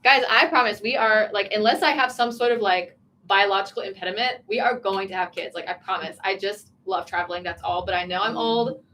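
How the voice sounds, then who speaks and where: Young woman livestream host, quick chatty delivery, giggly, reads out viewer questions, faint room tone. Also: medium pitch, sharp tone, slight background noise. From Virginia, USA. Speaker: vlogger hosting a livestream. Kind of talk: casual livestream chat. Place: small tea room in an inn.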